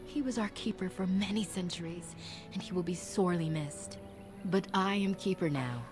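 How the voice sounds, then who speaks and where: Woman acting a solemn low-voiced elf clan keeper. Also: natural voice. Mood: solemn, mournful. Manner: measured, formal, grave. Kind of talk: fantasy video game voice acting. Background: game music.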